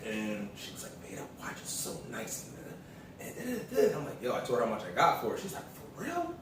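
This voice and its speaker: A man's voice: mid-range voice, wildly swooping pitch, fairly quick. An American man chatting casually on a vlog, slangy and repetitive as he tells stories. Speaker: vlog co-host, the vlogger's partner. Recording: roomy echo, distant mic, noisy background.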